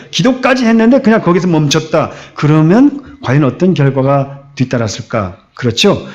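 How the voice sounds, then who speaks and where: A man preaching a sermon as pastor, asking rhetorical questions and acting out the story. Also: high voice. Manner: animated, acts out the story in quoted voices, asks rhetorical questions. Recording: dull lo-fi recording.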